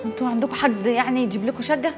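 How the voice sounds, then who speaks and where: A woman's voice: a little high, rapid-fire, over music, close to an everyday voice. Teasing Egyptian best friend, actress playing her. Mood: consoling. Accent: Egyptian Arabic. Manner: teasing, consoling. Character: young woman, loyal cheery friend. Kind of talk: TV drama acting.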